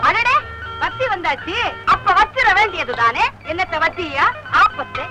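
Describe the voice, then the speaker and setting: A chatty comic appam seller. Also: female voice, very high voice, big pitch swings, moderate pace, poor audio. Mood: bantering. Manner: bantering, rhyming wordplay. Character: chatty comic village appam-selling woman. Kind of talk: 1970s film comedy dialogue. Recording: film soundtrack with music behind.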